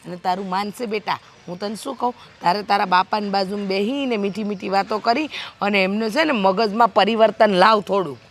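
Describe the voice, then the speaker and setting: An actress with a Kathiyawadi accent playing a sharp-tongued village housewife who argues and complains in an exasperated way. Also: female voice, mid-range voice, brisk, few pauses, lightly acted. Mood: complaining. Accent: Kathiyawadi Gujarati. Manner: exasperated, nagging. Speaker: wife and sister-in-law. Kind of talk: village family drama acting.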